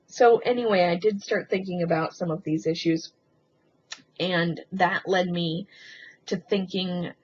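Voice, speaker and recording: A woman talking in a casual, rambling confessional vlog, hesitant and halting as she thinks aloud with frequent ums. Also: on the low side, steady tone, darkish tone, breathy edge. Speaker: video blogger. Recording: muffled lo-fi sound with faint background noise.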